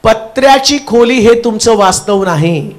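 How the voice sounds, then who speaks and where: Man, pastor, Marathi accent, high voice, Pentecostal preaching, call-and-response, bursts of shouting. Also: animated, moderate pace, a crowd in the background. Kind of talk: Pentecostal sermon.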